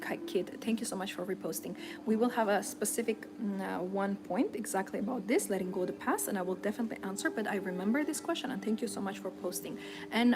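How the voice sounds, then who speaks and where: A woman's voice: medium pitch, background noise. A woman hosting a live stream as a femininity coach, chatting and encouraging her viewers with frequent fillers and restarts. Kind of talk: live-stream talk answering viewers' comments.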